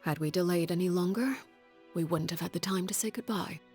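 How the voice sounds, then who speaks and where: A woman voicing a stern, composed leader of a family in a video game, speaking calmly and with command in a soft, breathy way. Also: on the low side, soft background music, lightly acted. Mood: quiet. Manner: calm, measured and commanding.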